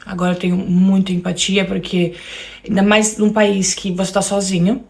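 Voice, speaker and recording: A woman's voice: mid-range voice, level tone, moderate pace, vocal fry, a little mellow. A young woman from Brazil telling her own story of abuse, talking straight to her listeners and acting out the lines people said. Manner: addresses listeners as "gente", acts out quoted lines. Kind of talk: emotional personal testimony.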